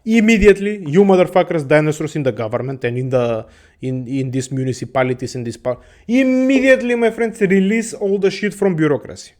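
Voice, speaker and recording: A man's voice: on the high side, expressive, a little fast, a little mellow. A man from the Balkans, hosting a casual monologue to his viewers. He rambles, swears and laughs often, and keeps addressing listeners as his friends. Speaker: host.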